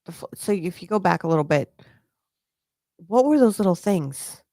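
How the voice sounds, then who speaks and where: A woman's voice: lowish voice, lively intonation, normal speed, dark tone, no room sound, clean studio sound. Rambling woman podcast co-host. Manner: rambling, many "like" fillers, swearing. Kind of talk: casual podcast chat.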